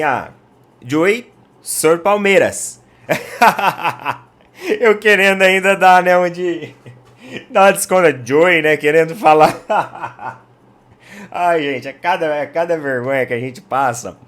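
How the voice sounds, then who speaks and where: Chatty Brazilian man talking football. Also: mid-range voice. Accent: Brazilian Portuguese. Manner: chatty and animated, addresses viewers directly. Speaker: football commentary channel host. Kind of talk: casual football opinion talk.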